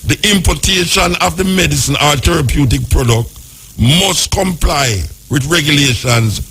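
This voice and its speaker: A man's voice: fairly high pitch, normal speed, fairly bright tone, slightly rough. Jamaican man reading law with patois asides. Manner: reads text then breaks into joking patois commentary. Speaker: radio host.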